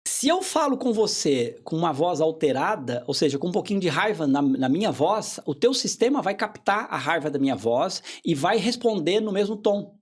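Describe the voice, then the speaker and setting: A man, a hypnotherapist guest on a podcast interview, explaining in a calm, teaching way and often checking in with short tag questions. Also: on the high side, moderate pace, few pauses, slightly rough.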